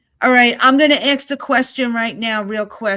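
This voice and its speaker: A woman's high-pitched voice with a New Jersey accent, bright and sharp in tone, with fairly even intonation, on a very clean recording with a silent background. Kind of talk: casual chat.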